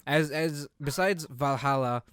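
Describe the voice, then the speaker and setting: A young man co-hosting a casual, unscripted gaming chat, halting and often repeating himself. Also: a little high, fairly bright tone, clear, resonant tone, dry recording, clean studio sound. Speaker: co-host of a gaming discussion.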